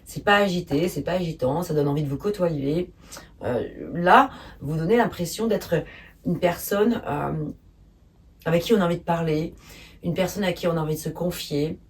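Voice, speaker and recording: A woman giving a spontaneous tarot reading, speaking calmly and gently, hesitating often with fillers. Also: fairly low pitch, normal speed, distant mic. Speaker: tarot reader.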